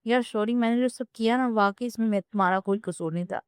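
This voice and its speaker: A mischievous young husband who teases and jokes through every line, as a woman reads him. The voice is smooth and clear, with a dry, close sound and no room around it. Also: a little high, dry recording, close to an everyday voice. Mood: apologetic. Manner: joking, teasing delivery.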